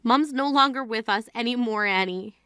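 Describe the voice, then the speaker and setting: A woman's voice: on the high side, normal speed, sharp tone, clean tone, dry recording, studio quality. A woman playing an indignant grieving sister. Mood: reproachful. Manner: scolding, exasperated. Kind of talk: scripted drama acting.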